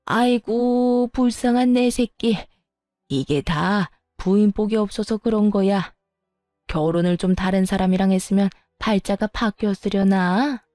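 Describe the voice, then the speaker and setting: A woman's voice: mid-range voice, measured pace, mellow, no room sound, clean studio sound, faint music behind, close to an everyday voice. A woman voicing a meddling, self-pitying older mother-in-law who whines and scolds. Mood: whining. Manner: whining and scolding.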